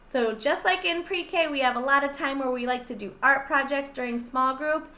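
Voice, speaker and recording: A young woman pre-K teacher reading a picture book aloud to small children, slow and gentle, stopping to ask them questions. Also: sits high, echoey room. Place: classroom.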